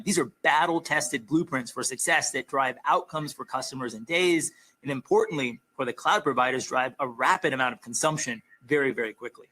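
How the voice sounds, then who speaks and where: A bright, crisp-edged man's voice at a middle pitch presents prepared company remarks. He sounds like a formal executive on an investor call, forceful and emphatic in his phrasing.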